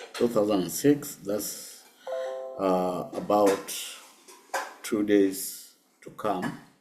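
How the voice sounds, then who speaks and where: With music in the background, a man's fairly low voice shows ordinary pitch variation. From Western Kenya. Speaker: education entrepreneur. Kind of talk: speech read aloud.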